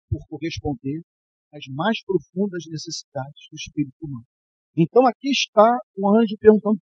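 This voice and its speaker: A man with a Brazilian Portuguese accent preaching a sermon, emphatic, moving between loud peaks and hushed phrases. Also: high voice, breathy edge, dry recording, dull audio. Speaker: pastor.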